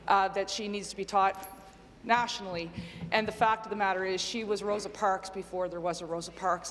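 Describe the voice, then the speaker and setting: A woman's voice: medium pitch, a bit bright, big-room sound, a little hiss or hum. A woman from Nova Scotia giving an earnest, formal speech as a legislator in a legislative chamber. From Nova Scotia, Canada. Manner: earnest, with frequent fillers when speaking off the cuff.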